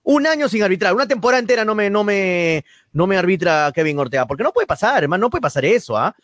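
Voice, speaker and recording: Peruvian male football show co-host, lively, rapid, indignant, dry close sound. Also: high-pitched, dry recording. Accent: Peruvian Spanish. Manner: emphatic, indignant, repeats words. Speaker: sports talk co-host. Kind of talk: heated football commentary chat.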